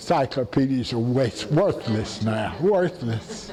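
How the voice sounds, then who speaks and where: A man speaks very slowly in a Middle Tennessee accent. Noticeable background noise runs underneath. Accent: Southern US (Middle Tennessee). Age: 80s+. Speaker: museum tour guide. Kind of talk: guided tour. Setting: indoors in a museum with a small group. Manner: halting.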